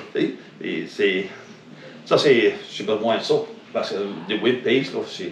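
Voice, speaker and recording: A man with a non-native accent speaks at a fairly slow pace, with long, frequent pauses. Noticeable background noise and audible room echo are present. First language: English (speaking French). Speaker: knife maker. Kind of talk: interview. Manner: halting.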